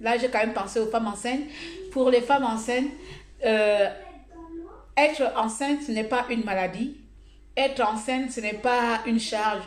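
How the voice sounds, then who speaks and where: A woman vlogger giving blunt, humorous advice in a casual monologue, telling stories with animated energy. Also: on the high side, unhurried. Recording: echoey room.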